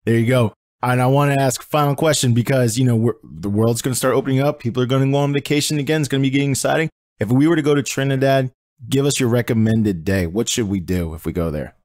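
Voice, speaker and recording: A male podcast host talks quickly in an upbeat, joking manner as he asks his guest questions. The sound is dry and close, with no room echo. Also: medium pitch, darkish tone. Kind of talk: casual interview questions.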